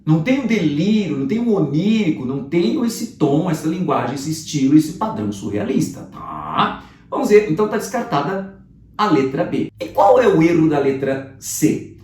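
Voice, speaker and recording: A man teaching literature, reviewing exam questions in a lively, conversational way and talking straight to his students. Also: on the high side, moderate pace. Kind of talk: commented exam review lesson. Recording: roomy sound, voice off-mic.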